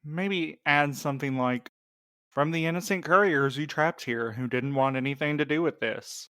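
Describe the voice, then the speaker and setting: A man playing a gentle, level-headed young courier with a measured, questioning manner in an audio drama. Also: on the high side, clean tone, dry recording, studio quality, lightly acted. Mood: hesitant, hopeful. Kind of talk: naturalistic audio drama acting.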